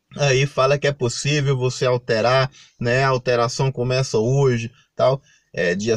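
Speaking at a fairly slow pace, a man sounds somewhat breathy, with very even loudness and fairly even intonation, in a dry recording with no echo and a quiet background. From Brazil, Bahia. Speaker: YouTuber on civil service exams. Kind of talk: casual vlog to camera. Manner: hesitant, many fillers. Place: car. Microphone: phone near.

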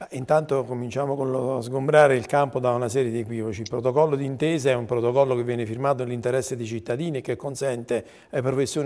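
Over a quiet background, the speaker goes at a very fast pace with fairly even intonation. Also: man. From Italy, Molise; Italy. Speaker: politician. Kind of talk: political talk show debate. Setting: studio. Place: studio. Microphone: lapel.

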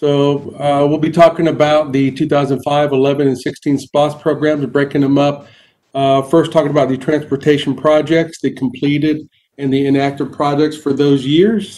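A man talks in a dark, mellow tone with monotone, flat intonation. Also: moderate pace. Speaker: city official presenting report. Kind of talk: presentation. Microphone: video call.

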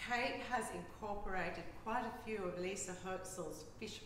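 There is audible room echo and light background noise as a woman with an Australian accent speaks with lively intonation. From Australia, Hawkesbury region near Sydney. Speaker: gallery curator. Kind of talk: informal walk-through gallery tour, chatting to camera painting by painting. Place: hall. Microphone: phone near.

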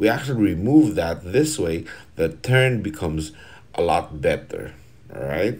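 At a moderate pace, a man speaks in a very deep, low pitch with very wide pitch swings and vocal fry. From Mozambique. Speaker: auto mechanic, engine builder. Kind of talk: tutorial. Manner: casual. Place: workshop. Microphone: phone near.

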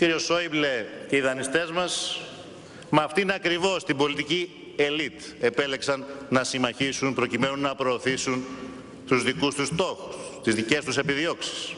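A man talking at a fairly slow pace with long, frequent pauses. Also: ordinary pitch variation. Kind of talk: parliamentary speech. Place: hall. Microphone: podium.

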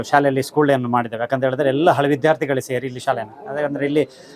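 Against noticeable background noise, a man speaks with fairly high pitch and fairly even intonation. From coastal Karnataka, India (Belthangady area). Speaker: school alumni committee secretary. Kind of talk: interview.

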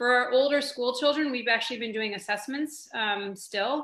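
A woman's raised, projected voice, high-pitched with lively intonation and a moderate pace, with audible room echo and a quiet background. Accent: American. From Vermont, US. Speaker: pediatric physician; guest. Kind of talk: interview. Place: kitchen. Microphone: video call.

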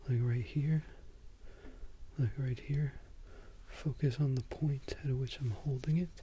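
Whispering and soft-spoken, a man talks at a fairly slow pace in a somewhat breathy voice, the sound dry with no echo and some light background noise. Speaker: ASMR creator. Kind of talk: soft ASMR roleplay instructions. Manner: soft close-mic ASMR whisper. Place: home room. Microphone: studio mic.

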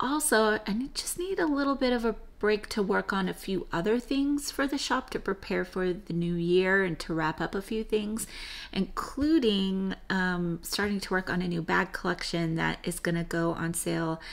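The woman's intonation rises and falls in a lively way. She keeps to a moderate pace. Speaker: craft vlogger. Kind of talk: casual vlog chat. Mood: warm and cheerful. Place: home room. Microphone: phone near.

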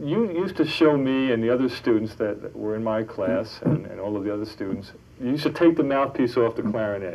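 The speech runs at a very fast pace with lively intonation and hardly any pauses. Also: man, medium pitch for a man. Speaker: saxophone and clarinet teacher. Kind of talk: interview questions to a guest. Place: home room. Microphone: lapel.

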